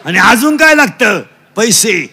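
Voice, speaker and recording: High gravelly comic preacher. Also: male voice, big pitch swings, a little slow. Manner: shouting call-and-response with children; mixes broken English into lectures. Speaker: kirtan preacher. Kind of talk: comic kirtan sermon.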